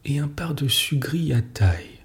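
A man's voice: a little high, lively intonation, a little slow, voice pushed up. A man reading the part of a distraught, insistent society lady who speaks breathlessly and emphatically. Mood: agitated, insistent.

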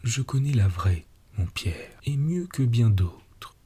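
A man voicing a tender, forgiving woman in whispered role-play, soft and breathy. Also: medium pitch, animated, slow, exaggerated voice. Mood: gentle.

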